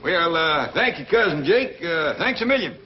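An actor playing a kindly, humble backwoods family head who talks in a slow, polite, folksy drawl. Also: male voice, on the high side, big pitch swings. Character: kindly, plainspoken backwoods patriarch, newly rich. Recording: dull 1960s TV audio, faint hiss.

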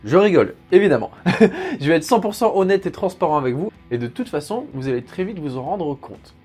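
Faint music backs a very animated man who unboxes sponsored gear for his channel in a brisk, a little high, darkish voice. He jokes, chats, explains each step, and uses fillers a lot.

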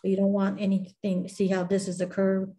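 Speaking in a monotone at normal speed, this middle-aged woman has a medium-pitched voice with a dark tone. She's leading a clay class, casually chatting and musing aloud through many fillers while she demonstrates.

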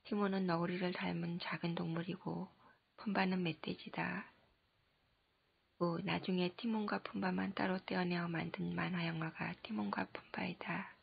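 A woman narrating an audiobook in a soft half-whisper. Her low voice is very husky and heavily gravelly. The lo-fi recording sounds dull and muffled. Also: flat delivery, moderate pace.

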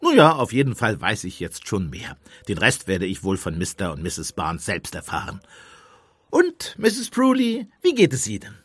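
An actor playing a genial, slyly inquisitive village priest in a radio play, courteous and gently probing. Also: male voice, lowish voice, wildly swooping pitch, normal speed, husky, no room sound, heavily acted. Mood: slyly curious. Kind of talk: German radio play acting.

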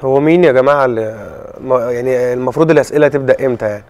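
A man with an Egyptian accent, repeating calming words to someone who is upset. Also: mid-range voice, rapid-fire, dull audio.

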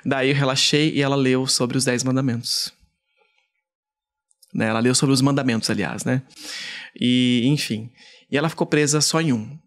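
A man from Brazil, a podcast guest, casually telling a personal story in an animated way, repeating words. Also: mid-range voice, moderate pace, long pauses. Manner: animated, frequent fillers and self-repeats.

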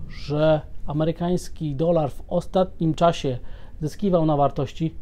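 A man presenting a market commentary to viewers, explaining in a measured way, often pausing on filler sounds and restarting phrases. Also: fairly high pitch, warm tone.

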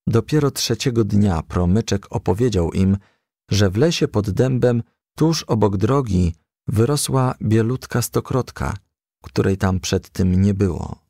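A man narrates a children's storybook in a low, gravelly voice. The recording is dry and close, with no room around the scripted reading. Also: mellow, no room sound. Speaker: audiobook reader.

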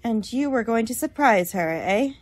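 A woman's voice: a little high, lively intonation, moderate pace, soft background music, natural voice. A woman playing a weary, sarcastic young college student in a radio play, blunt and grumbling.

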